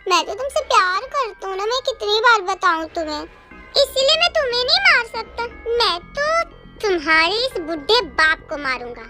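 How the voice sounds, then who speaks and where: A high young voice doing an obsessive psycho young man, sickly sweet coos, low threats, music under it. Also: sing-song, moderate pace. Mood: mock-sweet. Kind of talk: fan audio drama voicing.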